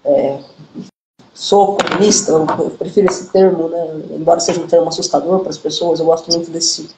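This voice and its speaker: A woman from the interior of São Paulo state with a caipira accent, a political activist speaking as a guest in a live stream conversation, outspoken and animated. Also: deep voice, brisk, roomy sound, noisy background. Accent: São Paulo countryside (caipira) Brazilian Portuguese. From interior of São Paulo state, Brazil. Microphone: live stream call.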